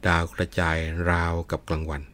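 A man's voice: fairly quick, fairly bright tone, no room sound. A man telling a classic tale, explaining old sayings in a chatty, leisurely way to his listeners. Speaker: storyteller. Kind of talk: storytelling with idiom explanations.

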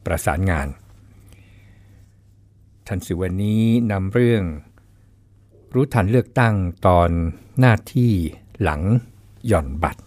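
Deep-voiced male radio host. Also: lively intonation, darkish tone. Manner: measured, polite, reads out statistics. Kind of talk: scripted radio commentary.

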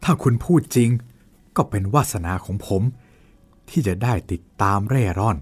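A man's voice: medium pitch, big pitch swings, moderate pace, breathy edge, faint music behind. A man playing an earnest, down-on-his-luck suitor who speaks politely and pleadingly.

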